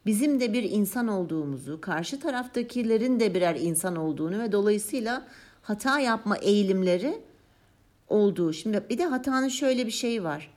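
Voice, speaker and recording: A woman's voice: mid-range voice, expressive, fairly quick, a little mellow. A woman with a mid-range voice, talking things through in an easy, reflective way. She explains her thoughts carefully and teases herself now and then. The tone stays conversational. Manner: reflective and explanatory, playfully self-mocking. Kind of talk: casual conversational chat.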